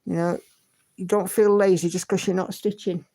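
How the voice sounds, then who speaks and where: On her livestream, a woman reads out viewer comments and hums to herself, sounding chatty and encouraging. Her voice is lowish and warm, with little pitch movement and a moderate pace.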